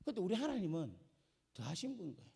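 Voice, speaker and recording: A male pastor preaches in a husky, high-pitched voice. His delivery is lively, swinging from fervent shouts to quiet, chatty asides. The sermon rings with the long reverb of a church sanctuary. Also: fast talker.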